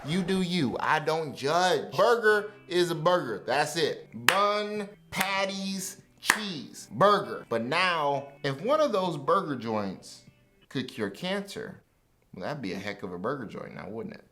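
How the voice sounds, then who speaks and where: A man preaching to young people in a relaxed, joking, slangy style. His pitch swings widely as he talks. Faint music plays quietly behind him. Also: measured pace. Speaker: youth pastor. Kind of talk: casual sermon to youth.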